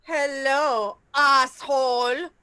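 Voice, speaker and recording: A woman playing a haughty, impatient, hungry female vampire in a comedy table read, with theatrical drawn-out delivery. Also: high voice, steady tone, sharp tone, dry recording, full character voice. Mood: scornful.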